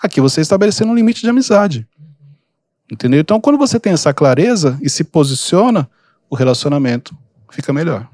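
A calm, easygoing man with a Brazilian Portuguese accent talks through advice on his podcast, patient and explanatory. His voice sits a little on the high side. The sound is dry and close, with no room echo. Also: quick pace. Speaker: podcast host and mentor. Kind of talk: casual advice podcast talk.

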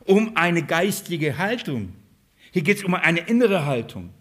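A man with a fairly high speaking voice delivers a sermon as a preacher. He keeps putting questions to his listeners and then answers them himself, building his point step by step. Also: very animated, a little slow, fairly bright tone. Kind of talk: Bible-study sermon.

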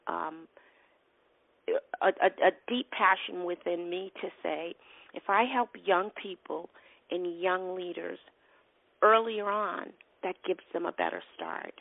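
Boston woman, low gravelly voice. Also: sing-song, slow pace, no room sound. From Boston, USA. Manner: earnest, repeats and restarts phrases. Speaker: nonprofit president, guest. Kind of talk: interview conversation. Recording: tinny phone-like line.

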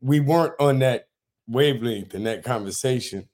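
A man's voice: medium pitch, moderate pace, darkish tone. An older man, a military veteran, telling stories as a podcast guest in a rambling way, full of fillers. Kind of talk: casual podcast interview.

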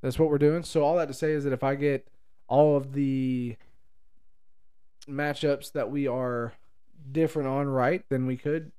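A man's voice: medium pitch, steady tone, measured pace, pauses often, warm tone, smooth. A young man co-hosting a casual podcast, rambling and playful. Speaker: podcast co-host.

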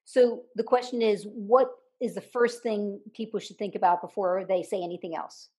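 A woman's voice: mid-range voice, fairly even intonation, moderate pace, mellow, husky. A woman author, a guest on an interview show, telling anecdotes with laughter and repeating words as she thinks aloud. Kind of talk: storytelling interview talk.

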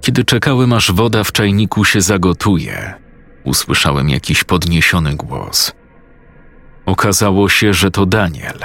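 A man narrating a horror story in the first person with a slow, measured, ominous reading. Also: deep voice, expressive, fairly bright tone, soft background music.

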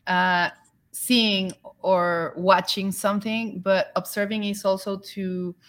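A woman with a mid-pitched voice talks casually in English as a second language. She translates in her head as she goes, pausing and rephrasing while she hunts for the right word. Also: fairly even intonation, a bit bright. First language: not English. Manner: translating in head, halting search for words. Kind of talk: casual discussion.

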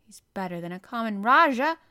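A woman's voice: medium pitch, moderate pace, close to an everyday voice. A woman voicing a stiff, obstinate young girl in a storybook reading, with a fierce, contrary, unsympathetic manner. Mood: indignant.

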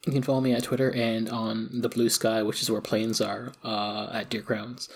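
A man's voice: lowish voice, level tone, moderate pace, creaky, slightly rough. A man co-hosting a podcast in casual chat, adding dry, wry asides. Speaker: podcast co-host.

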